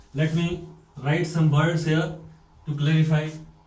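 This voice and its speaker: This man's voice sits fairly high in pitch. Room echo can be heard. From India. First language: Hindi. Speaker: school principal and English teacher. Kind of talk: video lesson.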